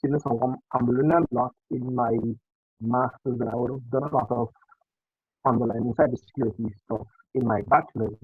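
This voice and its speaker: A man's voice: medium pitch, steady tone, brisk, slightly rough, no echo. Caribbean man on a tinny, muffled call. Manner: long, detailed self-introduction with hesitant fillers. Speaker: audience member asking a question. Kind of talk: casual question on a video call. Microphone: video call.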